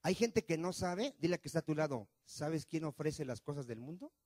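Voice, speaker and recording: A male pastor preaches, firing question after question at his congregation. His voice sits fairly high for a man, swinging from loud pushes to low murmurs. The sound is dry and close. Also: big pitch swings, brisk, dry recording. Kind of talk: sermon. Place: church.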